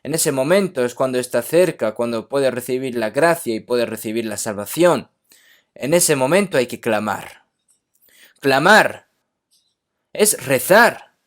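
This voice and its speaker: A man's voice: mid-range voice, normal speed. A man from Korea preaching a sermon emphatically, often checking in with his listeners.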